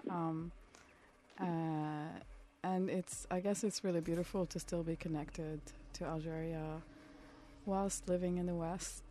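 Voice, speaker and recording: Slow-talking woman radio host. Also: fairly low pitch, steady tone, warm tone. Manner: friendly, hesitant with many "um"s. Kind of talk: radio interview. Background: music playing.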